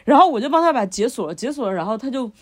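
A woman's voice: fairly high pitch, lively intonation, rapid-fire. A woman co-hosting a podcast, telling a story in casual chat, stringing clauses together with lots of fillers. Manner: rambling, chains clauses with fillers. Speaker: podcast co-host.

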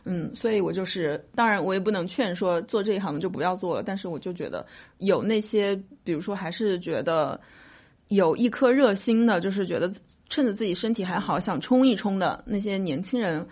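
A woman's voice: medium pitch, animated, a little fast, darkish tone. A woman podcast host chatting casually and telling personal stories in a light-hearted, joking way. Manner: light-hearted, jokes about own troubles. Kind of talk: casual chat, personal storytelling. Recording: dull lo-fi audio.

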